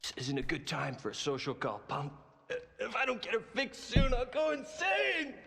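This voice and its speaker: A man's voice: extremely high pitch, huge pitch swings, normal speed, creaky, bright, forceful tone, heavily acted. An actor playing a manic, irritable man on the edge of madness in a video game, ranting wildly. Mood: manic anger. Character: unhinged, irritable male apartment neighbor, ranting and manic.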